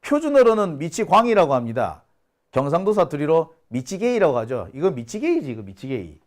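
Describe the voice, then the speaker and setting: A man's voice: fairly high pitch, very animated, a little fast. A man hosting a solo news commentary, indignant and scoffing, sighing and exclaiming as he reads out rumors. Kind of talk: solo talk-show commentary.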